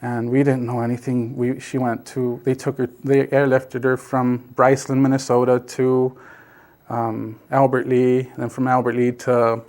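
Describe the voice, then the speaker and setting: Man, middle-aged, from South Texas, native Basque speaker, halting, filler-heavy storytelling. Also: mid-range voice, monotone, a little mellow. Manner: halting, many fillers and restarts. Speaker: interview guest. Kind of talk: casual storytelling.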